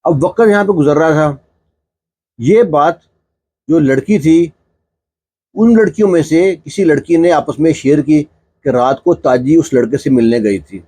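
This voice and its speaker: Guy telling a village story, chatty, husky voice a bit on the high side. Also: long pauses, warm tone. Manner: conversational, fillers like "na" in narration. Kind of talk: told folk story, casual narration.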